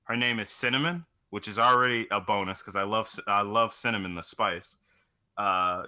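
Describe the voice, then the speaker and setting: A young man with a fairly low but strikingly bright, forceful voice. He talks off the cuff as a co-host in a casual gaming chat. His manner is crude and sweary. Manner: crude, profane joking.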